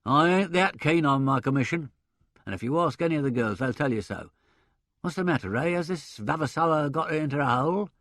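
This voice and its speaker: A man's voice: on the high side, lively intonation, fairly quick, a bit bright, no room sound, clean studio sound, pitched above the performer's own voice. A man voicing a blunt, talkative older theatrical agent who speaks in a colloquial, opinionated way. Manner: colloquial, drops grammar, chuckles, opinionated. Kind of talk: audiobook character reading.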